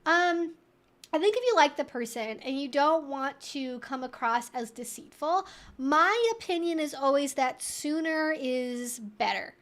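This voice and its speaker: A woman's voice: high-pitched, animated, a little slow, a bit bright. A woman hosting a casual Q&A livestream, talking in a chatty, rambling way full of informal asides. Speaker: livestream host answering viewer questions.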